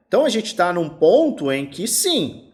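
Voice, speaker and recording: A man with a Brazilian accent speaks with very wide pitch swings. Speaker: crypto investment youtuber. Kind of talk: market analysis tutorial. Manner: slow, detailed explanation.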